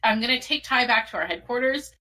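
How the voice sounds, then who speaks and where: A woman's voice: on the high side, expressive, fast talker, pushed and bright, slight background noise. A woman playing in a tabletop role-playing game, chatting casually and hesitantly. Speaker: player.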